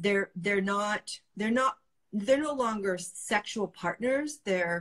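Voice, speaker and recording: This woman speaks with an American accent at a fairly slow pace, her medium-pitched voice somewhat breathy with ordinary pitch variation. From California. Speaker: clinical sexologist, co-host. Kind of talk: casual chat.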